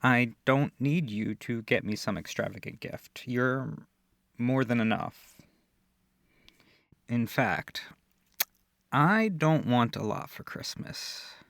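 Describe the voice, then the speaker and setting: A man playing a gentle, affectionate boyfriend in an intimate ASMR comfort roleplay, speaking softly, tenderly and reassuringly. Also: mid-range voice, lively intonation, vocal fry, dry recording, studio quality, full character voice. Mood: gently earnest. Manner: soft, tender, unhurried, reassuring.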